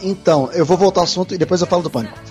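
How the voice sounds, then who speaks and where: A podcast guest who also works as a video dubber, this man from Minas Gerais speaks with a Mineiro Brazilian Portuguese accent, laughing and cursing through his stories in a casual chat. His high-pitched voice comes rapid-fire over loud background music.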